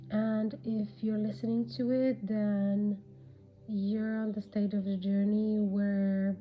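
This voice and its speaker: Slow, hushed, raspy woman with a cold. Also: medium pitch. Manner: hushed, hesitant, with long pauses. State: has a cold, irritated throat. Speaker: spiritual podcast host. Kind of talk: unscripted spiritual guidance talk. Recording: dull lo-fi audio with background music. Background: music.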